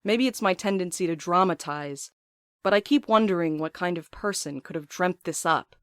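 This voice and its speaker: An actor playing a thoughtful, uneasy writer in an audio drama, speaking in an articulate, literary, measured way. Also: mid-range voice, a bit bright, smooth, no echo, clean studio sound, lightly acted. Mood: pensive, uneasy. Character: thoughtful, uneasy writer recounting observations in a private letter. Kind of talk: scripted first-person audio drama monologue.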